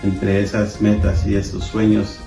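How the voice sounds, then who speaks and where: A man with a low, gravelly and flat voice talks in a slow, heartfelt way. He sounds roomy and set back from the mic, with guitar music under him. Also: distant mic. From Guatemala. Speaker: interviewee.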